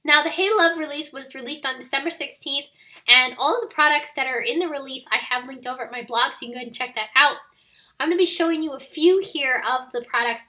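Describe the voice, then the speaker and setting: A woman with a high, bright voice that is still raspy and scratchy from a recent illness. She talks through a card-making project step by step in a friendly voiceover. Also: quick pace. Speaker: card-making video host. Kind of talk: voiceover craft tutorial.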